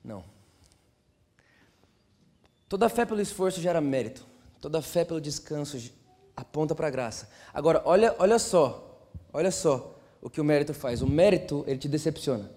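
A young man preaching a sermon, animated, acting out quoted voices and asking the congregation questions. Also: on the high side, normal speed, long pauses, big-room sound.

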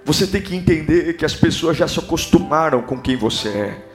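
A Brazilian man preaching a sermon, impassioned, building up to shouting. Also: a little high, lively intonation, a little fast, soft background music. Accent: Brazilian Portuguese.

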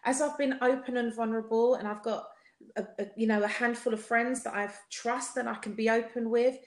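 A woman's voice: on the high side, fairly even intonation, fairly quick. A woman with a South London accent giving personal testimony in conversation, speaking emphatically with rhetorical repetition and often checking for agreement. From South London, England. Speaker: podcast guest, singer. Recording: roomy, echoey sound.

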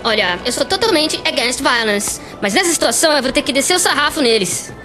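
Woman playing high-voiced, bossy São Paulo girl. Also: animated, a little fast, music in the background. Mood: feisty. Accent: São Paulo Brazilian. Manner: indignant, affected, slangy. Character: bossy, trendy, socially-conscious young São Paulo woman. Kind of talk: amateur radio drama acting.

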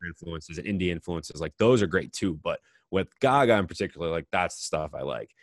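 A man with a very low, deep voice interviews a guest in relaxed conversation. He rambles and restarts often, piling on "like". The sound is dry and close, with no room around it. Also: a little fast, dry recording. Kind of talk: casual interview chat.

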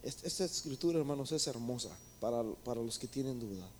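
A man's voice: medium pitch, fast, darkish tone, a little hiss or hum. A man preaching a sermon, rising to emphatic peaks and calling his listeners brothers. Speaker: pastor.

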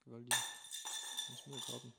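A man preaching a sermon in a church, telling stories with dramatic acted-out voices and sudden shouts. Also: medium pitch, little pitch movement, gravelly, heavy background noise. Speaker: pastor.

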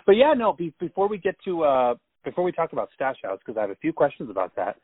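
A man's voice: a little high, very animated, quick pace, slightly rough, no echo. A man hosting a podcast, asking long, rambling interview questions. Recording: tinny dry phone line.

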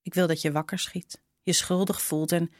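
A woman narrating a short story in a slow, intimate reading style. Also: on the low side, level tone, no echo, studio quality. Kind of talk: scripted storytelling.

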